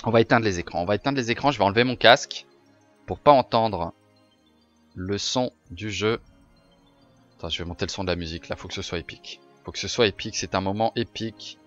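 A male gaming streamer chats casually with his viewers, swearing freely and getting excited. His voice is bright and forward, with lively swings in pitch, and faint music plays behind him. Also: dry recording. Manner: excitable, swears, talks to chat. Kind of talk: casual game commentary.

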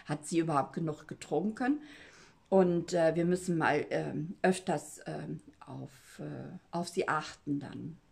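A brisk, practical older woman speaks in a plain everyday tone, as a woman storyteller voices her, pausing with small hesitations. The delivery stays close to ordinary chat. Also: low voice, vocal fry, a little mellow, breathy edge, pitched below the performer's own voice, full character voice. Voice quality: plain conversational voice with many fillers.

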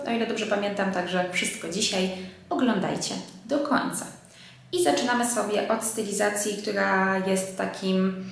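A Polish woman with a slightly stuffed-up, nasal voice from a head cold, chatting casually to her viewers as a fashion vlog host. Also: medium pitch. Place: indoors under artificial light. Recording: very echoey room.

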